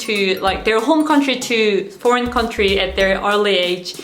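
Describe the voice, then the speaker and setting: With music in the background and audible room echo, a woman speaks fairly slowly at a fairly high pitch with a Korean accent. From South Korea. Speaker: YouTuber. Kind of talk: casual vlog talk to camera.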